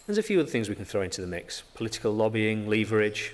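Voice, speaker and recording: A man talks in a strong Yorkshire accent. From Yorkshire, northern England. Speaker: physiotherapist, conference speaker. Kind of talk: conference lecture. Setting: stage with audience, with interpreters. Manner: frequent fillers, um and uh.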